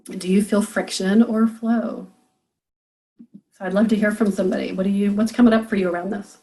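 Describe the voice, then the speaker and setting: A woman's voice: mid-range voice, level tone, fairly quick, warm tone, rough recording. A woman business coach leading a group coaching call, encouraging and thinking aloud with frequent fillers.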